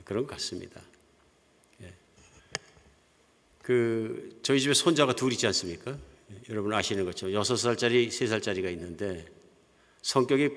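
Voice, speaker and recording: An older man, a pastor, preaching a sermon in a conversational storytelling manner. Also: lowish voice. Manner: conversational, anecdotal storytelling with soft chuckles. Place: church sanctuary. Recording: long hall reverb.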